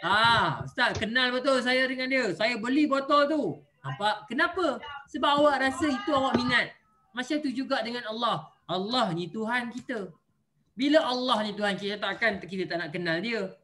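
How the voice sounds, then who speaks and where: A man's voice: extremely high pitch, moderate pace, bright, forceful tone, slight background noise. A man, a religious teacher giving an online class, explaining with playful, teasing everyday examples.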